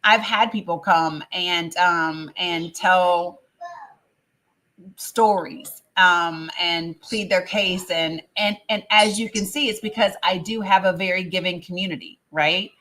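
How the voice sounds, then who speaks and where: A woman's voice: on the low side, steady tone, slow, sharp tone, low-quality recording. A woman in her fifties hosting a live-stream panel, talking earnestly and firmly with many ums and restarts. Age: 50s. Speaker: livestream host.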